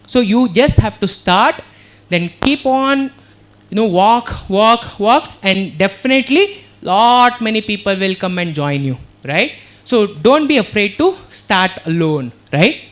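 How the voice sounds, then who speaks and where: A man's voice: high-pitched, lively intonation, a little slow, a bit bright. A man with an Indian English accent, giving a motivational talk to students and keeping the room with him through constant questions back to the audience. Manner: earnest, keeps checking in with the audience. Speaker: motivational speaker. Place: university auditorium.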